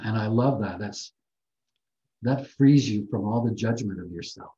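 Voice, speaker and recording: An older man giving a reflective talk on a video call, speaking softly and gently. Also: lowish voice, muffled recording. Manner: soft-spoken, slow and gentle. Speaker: guest speaker.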